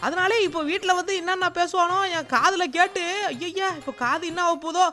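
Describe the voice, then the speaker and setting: Animated woman doing comic game role-play narration; bright, sharp voice. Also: very high voice, fairly quick, faint music behind. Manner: animated, exclaiming, calling out. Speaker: gaming channel narrator.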